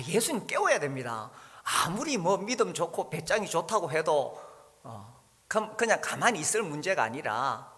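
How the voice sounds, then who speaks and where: Lively bright-voiced pastor in a hall. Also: male voice, on the high side. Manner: frequent "ah" and "uh" fillers, musing and questioning. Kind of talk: sermon. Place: church sanctuary. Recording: long reverb of a hall.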